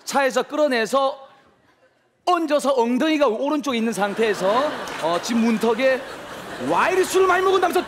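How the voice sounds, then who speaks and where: A man's voice: very high-pitched, expressive, fairly quick. A man playing a self-important young provincial who poses as a Seoul sophisticate in stage sketch comedy, with exaggerated lilting sentence endings. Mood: excited lecturing. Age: young adult. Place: large theatre stage, indoors. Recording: noisy live TV stage with audience.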